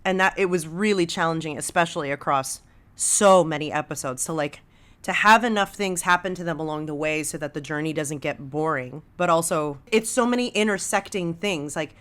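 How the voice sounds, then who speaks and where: Female writer as podcast guest, slightly low voice, emphatic, opinionated, conversational. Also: a little fast, fairly bright tone.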